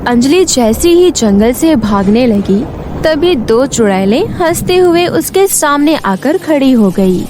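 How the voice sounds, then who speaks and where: High-pitched woman storyteller. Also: animated, takes it slowly, background noise. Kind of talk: scripted children's story narration.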